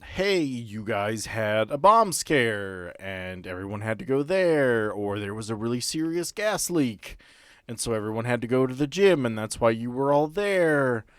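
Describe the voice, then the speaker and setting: A man acting as game master on a podcast, explaining and narrating off the cuff with halting sentences. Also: medium pitch, expressive, fairly bright tone, clean tone, no room sound, studio quality. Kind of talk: improvised narration and table chat for a tabletop game podcast.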